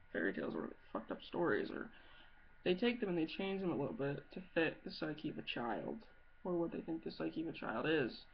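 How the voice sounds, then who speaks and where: A woman giving a casual, comedic video-blog monologue in a blunt, sweary, sarcastic way. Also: fairly low pitch. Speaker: amateur video blogger. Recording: muffled audio with clear background noise.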